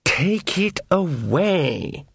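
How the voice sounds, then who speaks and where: A man performs a huge horned god in an audiobook fantasy tale. The voice is smooth and rich, unhurried to the point of drawling. He is haughty and weary, looking down on everyone he addresses. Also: high-pitched, big pitch swings, no room sound, clean studio sound, pitched above the performer's own voice, exaggerated voice. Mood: weary menace. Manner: slow, drawling, condescending.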